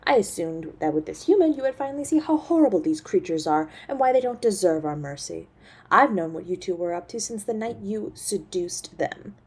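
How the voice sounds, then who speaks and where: A woman's voice: medium pitch, animated, a little fast, darkish tone, slightly rough. A woman playing a cruel, imperious centuries-old succubus mother in a scripted audio roleplay, mocking and menacing. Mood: exasperated, severe.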